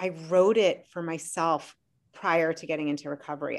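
Over a silent background in a very clean recording, the voice shows ordinary pitch variation. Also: woman. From Boston, US. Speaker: life coach and author. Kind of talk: interview.

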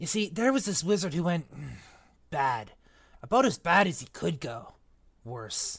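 A woman in a put-on character voice speaks at a fairly slow pace, her low pitch marked by a slightly husky edge, vocal fry and big pitch swings.

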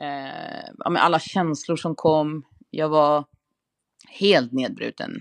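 A man talks at a very slow pace with ordinary pitch variation. The sound is dry and close with no echo, against a quiet background. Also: fairly high pitch for a man. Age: 40s. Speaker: podcast co-host. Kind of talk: casual chat.

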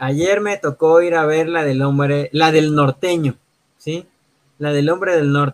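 A man with a normal speaking voice talks at a fairly slow pace, his fairly high pitch held in fairly even intonation, recorded with a dry, close sound and no echo. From Veracruz, Mexico. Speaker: podcast host. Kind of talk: casual chat.

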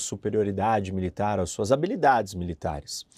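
A man's voice with a dark, mellow tone and lively intonation, dry and close with no echo, on a very clean recording with a silent background. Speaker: history YouTuber and teacher. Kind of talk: history lecture.

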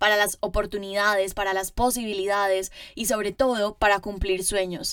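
This woman's voice sits at a medium pitch. Her intonation is monotone and flat. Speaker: podcast host, dream and manifestation mentor. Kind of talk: motivational monologue.

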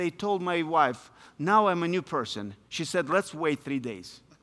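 His tone bright and sharp, a man speaks with lively intonation. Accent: Russian. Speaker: pastor and missionary. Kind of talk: sermon.

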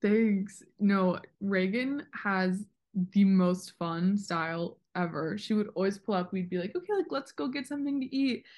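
A woman's medium-pitched, somewhat breathy voice with an American accent, lively intonation and a fairly slow pace over a quiet background. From Georgia, US. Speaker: actress. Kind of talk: interview. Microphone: glitchy connection.

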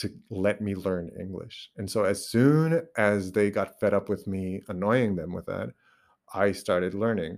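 A man with a slight Portuguese accent and a fairly low pitch speaks at a moderate pace with ordinary pitch variation in a very clean recording with a silent background. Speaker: podcast host, medium and Reiki practitioner. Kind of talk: spiritual solo podcast monologue. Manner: gentle, reflective.

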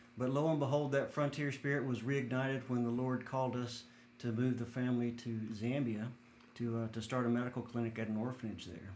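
Talking at a fairly quick pace, a man with a Tennessee accent keeps a medium pitch and a flat monotone. Audible room echo surrounds his voice. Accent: Southern US (Tennessee). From West Tennessee, US South. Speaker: doctor and former missionary. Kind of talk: testimony.

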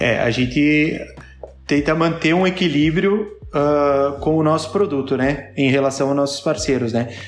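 A man speaks at a fairly slow pace with a fairly high pitch and ordinary pitch variation. Music plays in the background, and the room echo is audible. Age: 30s. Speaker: furniture manufacturer director. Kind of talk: casual podcast interview. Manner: hesitant, many fillers.

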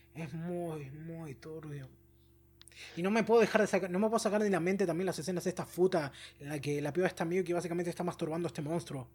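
Speaking very fast, the man uses a high voice and ordinary pitch variation. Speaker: anime podcast host. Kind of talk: casual chat.

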